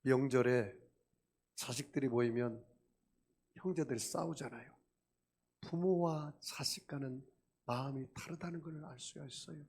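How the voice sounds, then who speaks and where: A man's voice: medium pitch, measured pace, pauses often, a little mellow, breathy edge. A male pastor delivering a sermon emphatically, often asking his congregation rhetorical questions.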